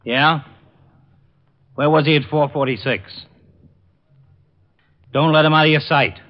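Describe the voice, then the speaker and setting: An actor playing a harried, sceptical police lieutenant, gruff and terse, in an old radio drama. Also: male voice, a little high, fairly even intonation, a little slow, lightly acted. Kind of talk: 1940s radio detective drama acting. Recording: dull, noisy old radio recording.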